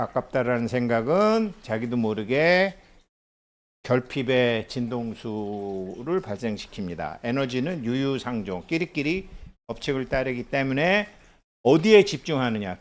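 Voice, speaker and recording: Chatty middle-aged man giving a lecture. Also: medium pitch. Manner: chatty storyteller, laughs often, acts out dialogue. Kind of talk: casual lecture with anecdotes.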